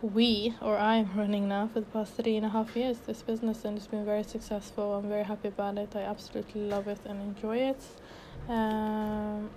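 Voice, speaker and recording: A woman's voice: mid-range voice, dark tone, a little hiss or hum, rough recording. A woman in her twenties from Sweden, hosting a casual unedited solo podcast as a life coach, chatty and upbeat with many fillers and restarts, a bit out of breath. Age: 20s.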